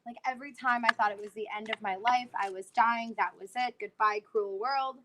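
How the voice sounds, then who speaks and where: A woman's voice: a little high, steady tone, a little fast, very noisy. A woman in her twenties hosting a casual livestream chat, rambling with lots of fillers, her voice worn out and nearly gone. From South Florida. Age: 20s. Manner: chatty, rambling with many fillers. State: lost her voice. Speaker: livestream host.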